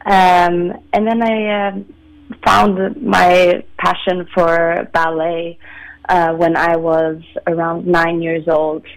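A woman in her late twenties, from Sweden, a ballet dancer answering interview questions in a measured, soft-spoken way with many pauses. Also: lowish voice, level tone, low-quality recording. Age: 20s. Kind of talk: phone-in radio interview.

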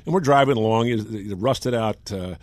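A man in his sixties, a longtime sports broadcaster, telling animated anecdotes in casual chat. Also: on the low side, normal speed, no room sound. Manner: animated anecdotes, acts out quotes.

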